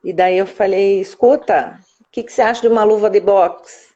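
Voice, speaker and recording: A woman's voice: mid-range voice, fairly even intonation, normal speed, dark tone. A Brazilian woman chatting on a live video call, explaining things earnestly with frequent tag questions. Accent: Brazilian Portuguese. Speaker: guest. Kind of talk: casual live-stream chat. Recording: dull lo-fi live-stream audio.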